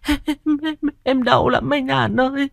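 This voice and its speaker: A man's voice: very high voice, fairly even intonation, a little slow, vocal fry, fairly bright tone, no room sound, studio quality, pitched above the performer's own voice, full character voice. A man voicing a crazed young woman who stammers and wails in terror in a spoken ghost story. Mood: terrified. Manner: stammering, wailing.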